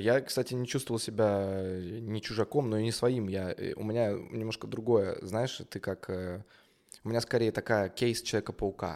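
An unremarkable speaking voice from a man, medium-pitched with fairly even intonation at a moderate pace, on a very clean recording with a silent background. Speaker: guest co-host. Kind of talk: casual chat.

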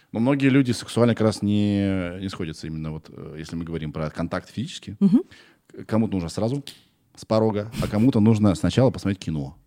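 A man speaks very fast with a fairly low, dark, mellow voice. His intonation is lively and his loudness swings widely. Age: 30s. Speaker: podcast host. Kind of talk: casual interview chat. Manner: informal, joking, animated.

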